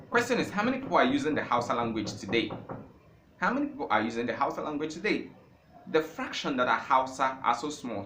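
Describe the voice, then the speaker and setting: A man's voice: mid-range voice, a bit bright. A Nigerian man, a native Igbo speaker, giving an informal talk on learning languages. He speaks emphatically, repeats phrases for stress and builds to impassioned peaks. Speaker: language teacher. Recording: echoey room with faint background noise.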